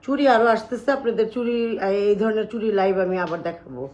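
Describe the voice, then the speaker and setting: A woman hosting a live sales stream, showing jewelry and talking loudly and chattily to her viewers. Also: mid-range voice, quick pace, rough recording. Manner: loud, chatty, addresses viewers directly.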